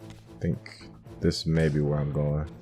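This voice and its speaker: A man's voice: extremely low pitch, level tone, a little slow, dark tone, soft background music. A man giving casual gameplay commentary, thinking aloud as he plays. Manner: thinks aloud, musing to himself. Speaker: gaming host narrating a playthrough.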